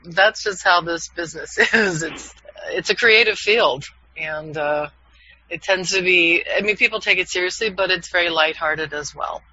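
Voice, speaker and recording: Bright, breathy upbeat man coaching. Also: high voice, normal speed. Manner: upbeat, laughs often. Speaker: voiceover coach. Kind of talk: teaching an online class. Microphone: video call. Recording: dull, lo-fi video call audio.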